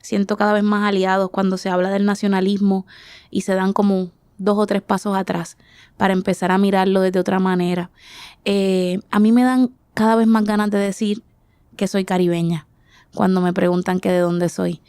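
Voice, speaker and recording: A woman in her forties, born in the Dominican Republic, speaks as an artist guest. Her voice is smooth and clear, recorded dry and close. She pauses and restarts as she reaches for ideas. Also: mid-range voice, level tone, a little mellow, no room sound. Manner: thoughtful, searching for words, frequent restarts. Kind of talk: reflective interview answers.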